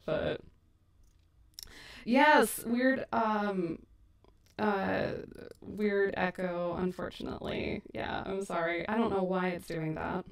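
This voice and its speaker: A woman hosting a casual editing livestream, chatty and self-deprecating, laughing often. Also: medium pitch. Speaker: audio drama creator and host. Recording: echoey stream mic from a distance.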